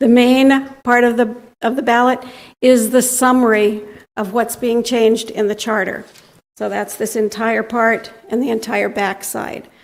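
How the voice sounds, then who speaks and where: A woman speaks at a fairly slow pace with a fairly high pitch and flat, monotone intonation. There is audible room echo around her voice. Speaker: town clerk. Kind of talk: public comment at town council meeting.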